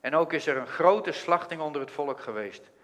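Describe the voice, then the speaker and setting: A man's voice: on the high side, expressive, moderate pace, natural voice. A man reading the lines of a male messenger who has fled from battle, in a plain reading voice. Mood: grave. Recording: long hall reverb.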